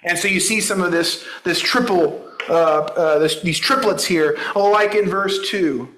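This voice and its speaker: A man's voice: high-pitched, measured pace, a bit bright, roomy sound, low-quality recording. A man preaching a sermon, explaining a Bible passage in a conversational teaching manner and checking in with the congregation. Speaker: pastor.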